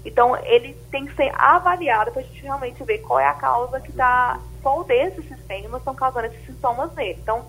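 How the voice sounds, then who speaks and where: Woman doctor on the radio, bit high and husky, explains stuff patiently. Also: fairly bright tone, low-quality recording. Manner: explanatory, measured, with fillers like "então". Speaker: doctor guest. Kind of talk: radio health interview.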